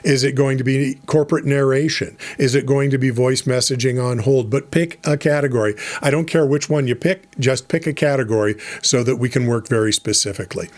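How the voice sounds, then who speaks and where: A middle-aged man giving a relaxed, conversational lesson as a voice over coach, with fillers and asides. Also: mid-range voice, brisk, hardly any pauses. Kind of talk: casual instructional talk.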